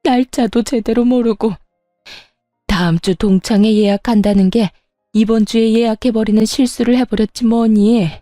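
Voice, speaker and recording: A sly, spiteful older mother-in-law who jeers and then turns on a show of innocence. A woman puts her on as she reads the story. The voice sits lower and mellow, recorded close and dry. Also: moderate pace, no room sound, faint music behind, close to an everyday voice. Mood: fake wailing. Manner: mocking, then falsely wailing.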